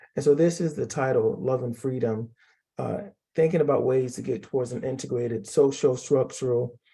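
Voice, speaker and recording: This man has a dark, mellow, somewhat breathy tone at medium pitch. He talks at a fairly quick pace with ordinary pitch variation. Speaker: nursing professor. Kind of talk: lecture.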